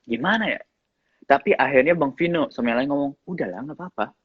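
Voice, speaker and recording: A man with a slight English accent in his Indonesian, an actor chatting casually in an interview, relaxed and often laughing. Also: mid-range voice, fast talker, breathy edge, no room sound, dull audio. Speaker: actor guest.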